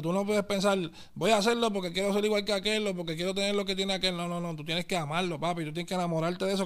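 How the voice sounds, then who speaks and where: Puerto Rican man, interview guest, high clear voice, rapid-fire slangy chat. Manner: fast, animated street slang, calls listener papi and brother. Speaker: guest artist.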